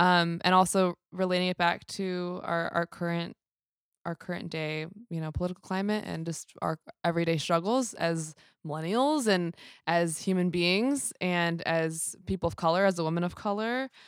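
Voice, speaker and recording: On a very clean, dry, close recording with no echo and a silent background, a woman speaks in a normal speaking voice at a fairly low pitch and moderate pace with ordinary pitch variation. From New York City. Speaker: singer-songwriter and activist. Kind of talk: casual interview. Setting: hotel room.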